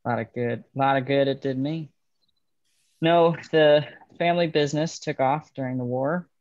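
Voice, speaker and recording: A man playing a bitter young railroad worker in a dramatic table read, speaking in a halting, understated way. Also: medium pitch, darkish tone, dull audio, close to an everyday voice. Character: bitter young railroad man estranged from his ruthless father.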